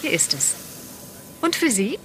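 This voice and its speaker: An actress playing a courteous, attentive flight attendant serving passengers in a radio drama. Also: female voice, fairly high pitch, sing-song, a little slow, fairly bright tone, a little hiss or hum. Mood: polite, attentive. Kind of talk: language-course radio drama.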